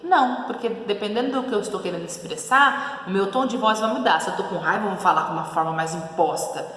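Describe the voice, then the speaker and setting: A woman teacher gives a recorded grammar lesson at a mid pitch. She acts out the words she reads, changing her tone, and keeps checking in with her listeners. Her voice rings in a very echoey room with a long reverb tail. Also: fast talker, a bit bright. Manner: reads text aloud and acts out the interjections with changing tone.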